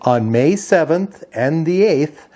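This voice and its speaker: A man presents an informational explainer in a methodical, point-by-point way. His voice is relaxed and mellow in tone, at an average pitch. He takes his time, moving slowly through each item. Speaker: host of a ham radio video channel.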